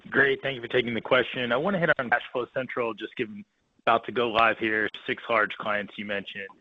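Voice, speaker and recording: A man's voice: medium pitch, fairly even intonation, a little fast, no echo. A man speaking as a financial analyst, putting a structured question on an earnings call. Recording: dull, dry call audio.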